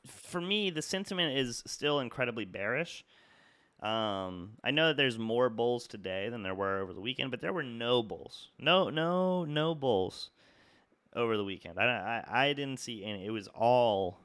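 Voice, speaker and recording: A man's voice: medium pitch, fairly bright tone, clear, resonant tone, no echo. A young man with a stuffy, congested nose from a cold, casually talking through stock charts with lots of fillers and restarts. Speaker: market analysis YouTuber. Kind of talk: casual trading chart talk.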